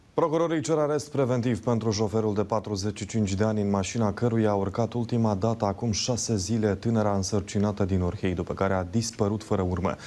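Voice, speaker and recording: Fairly low in pitch, a man talks at a fairly quick pace with ordinary pitch variation, very even loudness and hardly any pauses. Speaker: news anchor. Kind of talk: news reading. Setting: studio. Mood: serious, measured. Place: studio.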